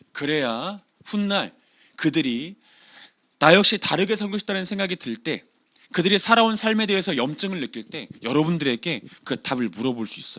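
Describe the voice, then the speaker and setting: Long, frequent pauses break up a bright, sharp voice that moves in very wide pitch swings. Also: man, high pitch for a man. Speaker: pastor. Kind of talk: sermon. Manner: fast.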